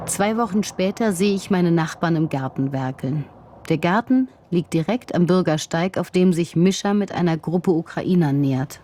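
A woman narrating a personal documentary in a calm, measured, reflective first-person voice. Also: lowish voice, slight background noise. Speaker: journalist and narrator.

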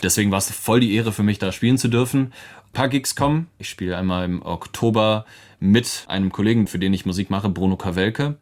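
A man's voice: on the low side, brisk, a little mellow. A young man in his twenties, a musician guest, answering interview questions in a casual, chatty way with frequent laughs. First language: English. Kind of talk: relaxed radio interview answers.

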